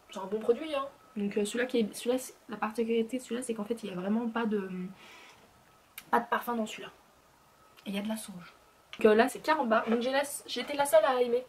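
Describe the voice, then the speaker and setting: A woman's voice: mid-range voice, a little hiss or hum. A woman in her thirties chatting casually as a beauty vlogger, full of fillers and restarts, sometimes dropping to a murmur. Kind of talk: casual chat.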